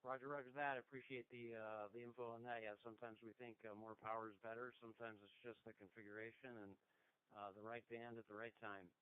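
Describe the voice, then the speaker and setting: A man's voice: mid-range voice, flat delivery, fast talker, clear, resonant tone. A man on a ham radio contact, easygoing and hesitant, with many fillers. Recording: tinny radio transmission.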